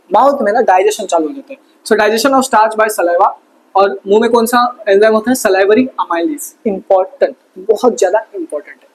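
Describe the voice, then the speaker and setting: A man teaching a fast exam revision lesson, casual and chatty, asking quick questions and answering them himself. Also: high voice, husky, low-quality recording. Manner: quizzes himself with quick call-and-response questions. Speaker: science tutor.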